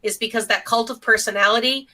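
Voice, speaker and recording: Bright, higher-voiced woman podcaster. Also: steady tone, fast. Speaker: podcast co-host. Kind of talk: casual opinionated group discussion.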